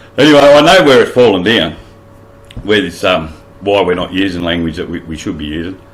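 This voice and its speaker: Amid noticeable background noise and audible room echo, a man with a strong Australian accent and a fairly low pitch speaks at a moderate pace with lively intonation. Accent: broad Australian. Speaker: podcast co-host. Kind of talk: casual chat. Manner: animated.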